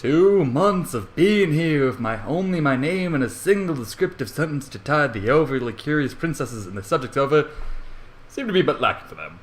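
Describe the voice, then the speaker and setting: Animated, irreverent young man reading aloud. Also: a little high, normal speed. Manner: irreverent, sweary, self-deprecating. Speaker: amateur story reader. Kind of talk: casual fan fiction reading with rambling asides. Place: bedroom at home.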